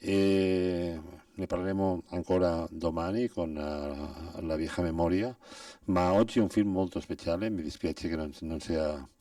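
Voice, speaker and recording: A non-native accent at a fairly slow pace with fairly even intonation. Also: man, very deep, low pitch for a man. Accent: non-native Italian. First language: Spanish or Catalan (speaking Italian). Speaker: film historian. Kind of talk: introductory talk. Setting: cinema hall with audience. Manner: halting, many fillers.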